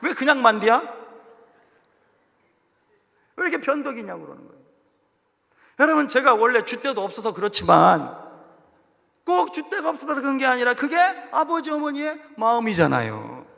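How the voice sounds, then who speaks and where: A middle-aged man preaching a sermon to his congregation in a church, animated and acting out the voices he quotes. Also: very high voice, fairly quick, gravelly. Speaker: pastor. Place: church sanctuary. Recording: long hall reverb of a church.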